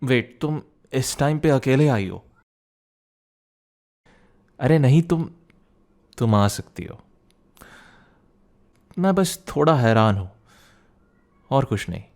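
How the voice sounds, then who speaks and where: A man performs a young student boyfriend in an intimate ASMR roleplay. His voice is mellow and relaxed at a medium pitch. He speaks softly and conversationally, protective one moment and playfully suspicious the next. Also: slow, long pauses. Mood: surprised, concerned.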